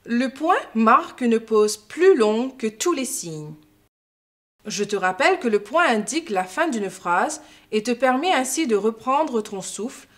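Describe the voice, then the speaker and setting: A woman teacher giving a scripted lesson, explaining carefully and didactically. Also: a little high. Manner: slow, careful, didactic delivery. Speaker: French teacher.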